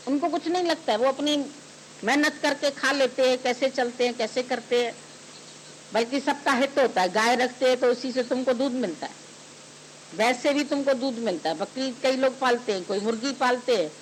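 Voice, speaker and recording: A man with a high voice delivers a devotional sermon in a homely, chiding way and keeps firing rhetorical questions. A faint hiss sits under the recording. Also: poor audio. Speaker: spiritual teacher.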